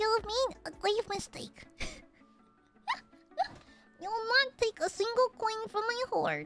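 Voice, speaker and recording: Over faint music in the background, a woman uses a put-on character voice at an extremely high pitch, speaking at a fairly slow pace with long, frequent pauses. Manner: haughty, warning.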